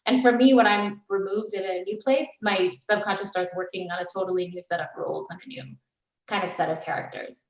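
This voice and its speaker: A woman's voice: medium pitch, steady tone, fairly quick. A woman who grew up in the United States, speaking as an author on a festival panel, musing aloud in a thoughtful, fluent way. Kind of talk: reflective panel talk. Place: festival venue. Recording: distant mic, roomy, dull sound.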